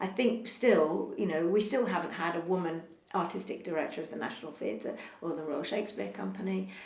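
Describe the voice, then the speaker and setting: A woman speaks at a fairly quick pace with lively intonation and a fairly low pitch. Audible room echo and noticeable background noise fill the recording. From London, Hounslow (Middlesex). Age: 60s. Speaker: actor and theatre director. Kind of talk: interview. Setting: theatre.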